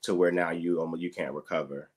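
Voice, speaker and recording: A man in his thirties from the US Midwest, a guest explaining things in a relaxed, unhurried way with many fillers. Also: deep voice, slightly rough. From Dayton, Ohio, US Midwest. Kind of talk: casual interview talk.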